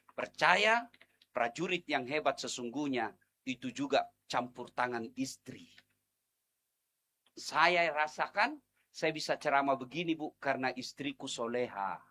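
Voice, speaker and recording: A middle-aged man preaching a humorous sermon to a crowd, animated, acting out wives and husbands and breaking into song. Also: medium pitch. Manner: animated, acts out wives and husbands, sings snippets.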